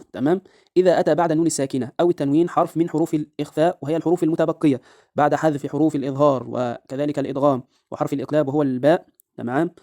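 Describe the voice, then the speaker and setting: A man with an Egyptian accent teaching Quran recitation rules. He keeps checking in with listeners and slows into a drawn-out chant for each recited example. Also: on the high side, mellow, no room sound, clean studio sound. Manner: checks in with a repeated rhetorical "right?". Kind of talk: tajweed lesson with recited examples.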